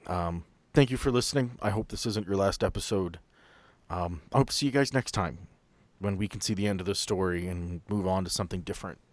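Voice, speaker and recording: Low-voiced man, close dry mic. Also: brisk, dry recording. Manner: earnest, apologetic, then joking. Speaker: podcast storyteller. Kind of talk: casual chat.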